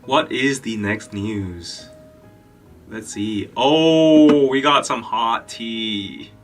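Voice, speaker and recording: A man's voice: mid-range voice, animated, drawn-out words, recorded from a distance, over music. A young man from Korea hosting a live podcast stream, chatting casually with lots of fillers and restarts. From South Korea. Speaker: podcast host. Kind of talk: casual live-stream chat and news reading.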